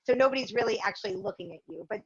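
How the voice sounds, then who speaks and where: A woman's voice: a little high, expressive, rapid-fire, husky, highs cut off. A middle-aged woman, a yoga and mindfulness teacher, guiding a virtual course in a chatty way with fillers. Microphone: video call.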